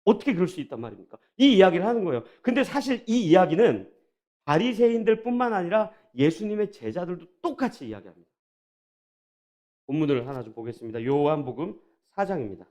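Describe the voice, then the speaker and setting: A male pastor delivers his sermon in a high, lively voice that swings widely up and down. He keeps putting rhetorical questions to the people in front of him and speaks to them directly. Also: brisk, highs cut off. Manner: animated preaching with many rhetorical questions; draws the congregation in, addressing them directly.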